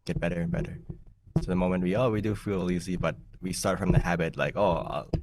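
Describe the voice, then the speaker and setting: A young man, a monk who grew up in the United States, giving an easygoing meditation talk on a video call, often laughing and clearing his throat. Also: low-pitched, fairly even intonation, fast talker, a little mellow, far from the mic. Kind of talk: relaxed teaching talk over a video call. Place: small plain room indoors. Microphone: large desk mic in front of him.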